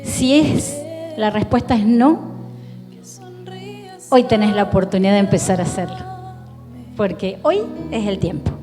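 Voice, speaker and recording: A woman's voice: mid-range voice, a little slow, long pauses, big-room sound, music in the background. A woman pastor with an Argentine accent, preaching a sermon in an earnest, pleading way, talking straight to the listener. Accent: Argentine Spanish. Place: church hall.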